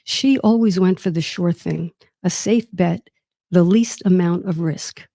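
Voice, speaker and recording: A middle-aged American woman recounts her family history with wry humor and reflection. Her voice sits low and mellow, and the recording is dry and close. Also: measured pace, gravelly, no room sound. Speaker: host. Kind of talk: personal storytelling monologue.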